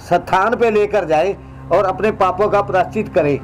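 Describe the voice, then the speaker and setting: A man's voice: high-pitched, moderate pace, a little hiss or hum, close to an everyday voice, low-quality recording. A man playing a scheming son in a family skit, in a coaxing way. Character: scheming son, falsely sweet. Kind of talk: low-budget comedy skit acting.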